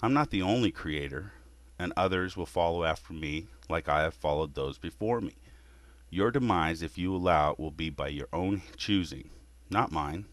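A man voicing a weary creator god in a scripted monologue, lecturing humanity in a scornful, measured way. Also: deep voice, no echo, lightly acted.

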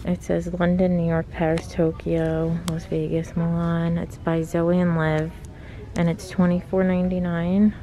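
A woman's voice: on the low side, little pitch movement, unhurried, mellow. A woman giving casual, chatty shop-with-me commentary, thinking aloud as a vlogger inside a store. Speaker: shopping vlogger. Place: inside a large retail clothing store. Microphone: handheld camera mic, speaker behind camera. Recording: faint background noise, store ambience.

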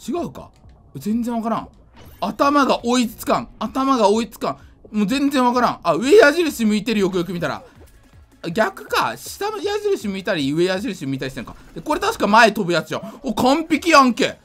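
A drunk man giving casual gameplay commentary, rambling, slightly slurred and excitable, often repeating himself. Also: very high voice, normal speed, soft background music. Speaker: gaming video creator.

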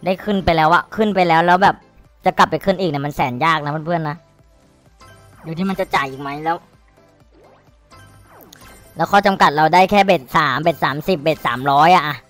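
A man giving excited, crude commentary while streaming a slot game, cursing and pleading at the screen. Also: fairly high pitch, a little fast, pauses often, faint music behind.

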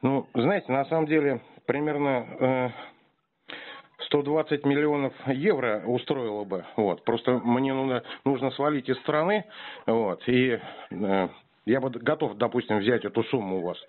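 On a clicking, tinny, noisy phone connection, a man pranks a telemarketer who has called him. He speaks at normal speed with a medium pitch, keeping the casual chat rambling, slangy, and provocative.

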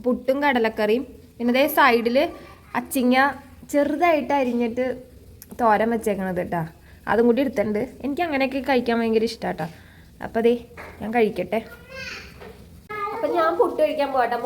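High-voiced young Keralan woman vlogging at home. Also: brisk, pauses often. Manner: chatty, sing-song baby talk with her toddler. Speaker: vlogger and mother. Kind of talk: casual home vlog chat. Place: home on a rainy day. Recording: home recording with faint rain ambience.

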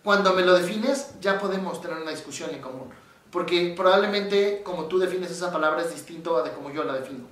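A man's voice: high voice, a little fast, far from the mic. A man with a Mexican accent, a psychologist, explaining in casual talk and acting out the voices in his stories. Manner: animated storyteller, acts out quoted voices. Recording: very echoey room, voice from off the mic.

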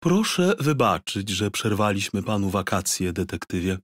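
A man's voice: fairly low pitch, very animated, moderate pace, no echo, studio quality. A man voicing a courteous, assured female polar bear president in a children's audiobook. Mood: apologetic, serious.

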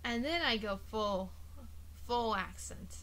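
A woman's voice: on the high side, animated, slow pace, a bit bright, poor audio. A young adult woman with a British accent that leans a little Welsh, chatting casually through a rambling storytime as a voice actor and YouTuber. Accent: British, slightly Welsh-leaning. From United States. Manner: chatty, rambling, a bit profane.

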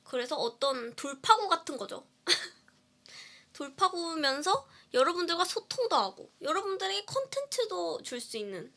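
A woman's voice: extremely high pitch, sing-song, unhurried, pushed and bright. A woman indie singer chatting casually on a livestream while eating, playful and giggly as she answers viewer comments. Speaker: indie singer live-streaming.

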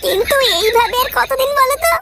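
Woman doing a very high, nagging cartoon girlfriend. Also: fairly quick, gravelly, loud music behind the voice. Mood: impatient. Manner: impatient, coaxing. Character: nagging young girlfriend wanting marriage, cartoon. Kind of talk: comedy cartoon acting.

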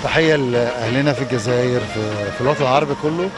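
A man with an Egyptian Arabic accent hosts a talk show outdoors by a fountain in a city square, upbeat and chatty. He speaks very fast in a mid-range voice into a handheld microphone, over loud music.

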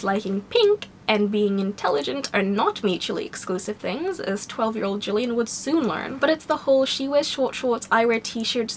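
Hoarse young woman vlogging with a cold. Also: on the high side, a little hiss or hum. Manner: rambling, candid, wry and animated. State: hoarse from a cold, losing her voice. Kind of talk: casual talking-to-camera vlog. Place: small home bedroom, indoors.

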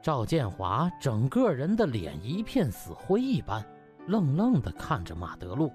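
A man's voice: mid-range voice, wildly swooping pitch, unhurried, darkish tone, soft background music. A man narrating a comic novel in a theatrical, colloquial storytelling manner. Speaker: audiobook narrator.

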